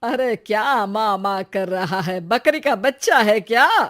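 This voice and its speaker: A woman's voice: medium pitch, animated, slow pace, a bit bright. A woman voicing a teasing, fussing middle-aged mother in a storybook cartoon.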